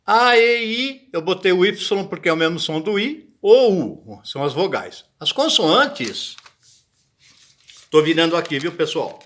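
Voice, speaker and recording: A man's voice: high-pitched, big pitch swings, unhurried, fairly bright tone. A man giving a casual video lesson on botanical Latin, chatty and often searching for words. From Brazil. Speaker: botany teacher.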